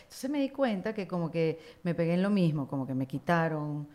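A woman's voice: on the low side, brisk, a little mellow. A woman from Venezuela with a Venezuelan accent, speaking conversationally as a podcast host. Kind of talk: conversational interview and sponsor read.

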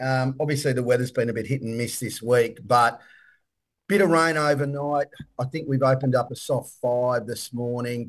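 A man with an Australian accent and a mid-pitched voice speaks as a panel guest. His style is casual, laid-back and matey, like friendly sports chat. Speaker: racing tipster and panel guest. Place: hotel room.

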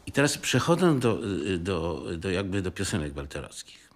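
An older man reminiscing in a halting way, stopping to clear his throat. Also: deep voice, very animated, slight background noise. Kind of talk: reminiscing interview, breaking into song.

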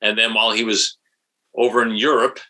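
A man's voice: fairly low pitch, flat delivery, fairly quick, pushed and bright, low-quality recording. A man in his sixties from New Jersey, a guest on an interview podcast, talking casually with many fillers and restarts. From New Jersey, USA. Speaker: podcast guest, actor and author.

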